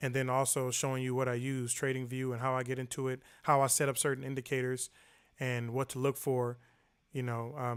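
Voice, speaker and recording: A man's medium-pitched voice at a fairly quick pace, very cleanly recorded against a silent background. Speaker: crypto trader and streamer. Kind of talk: live stream commentary. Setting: live stream. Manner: fast, stumbles over words; casual, filler-heavy.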